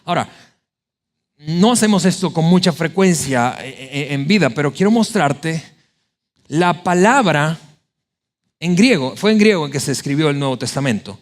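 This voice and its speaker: Predicador de voz aguda y animada. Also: male voice, on the high side, moderate pace, long pauses. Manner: animated preaching, voices biblical quotes. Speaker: pastor. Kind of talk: sermon.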